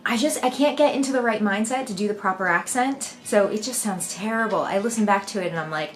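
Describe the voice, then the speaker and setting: A woman's voice: mid-range voice, fast talker, faint music behind. An American woman vlogging, talking casually to the camera at home and laughing often.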